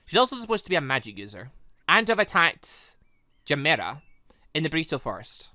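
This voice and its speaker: A man's voice: a little high, big pitch swings, a little fast, sharp tone, dry recording, studio quality, full character voice. A man reading a cold, commanding female sorceress from a visual novel in a terse, imperious manner.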